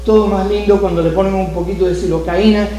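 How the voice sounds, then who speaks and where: A man's voice: high voice, fairly even intonation, quick pace, dark tone, echoey room, a little hiss or hum, low-quality recording. A man from Cuba, teaching a Bible study to a congregation, repeating key phrases and asking them questions. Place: church sanctuary.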